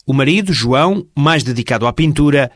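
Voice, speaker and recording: A male radio host reading a scripted narration in a measured announcer style. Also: medium pitch, lively intonation, no echo, clean studio sound. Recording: radio show with music bed. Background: music.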